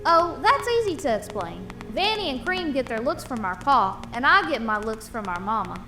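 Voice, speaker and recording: A woman's voice: a little high, sing-song, moderate pace, pushed and bright, soft background music, heavily acted. A woman playing a tough but bashful female boxer, a cartoon animal in an audio drama, talking colloquially. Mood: warm, then sober.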